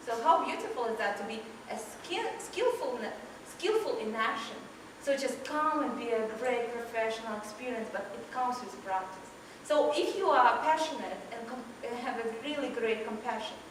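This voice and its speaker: A woman speaks at a high pitch with a Russian accent and ordinary pitch variation, with audible room echo and noticeable background noise. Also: moderate pace, big swings in loudness. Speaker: motivational speaker. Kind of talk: public speech. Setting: club meeting with audience. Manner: animated.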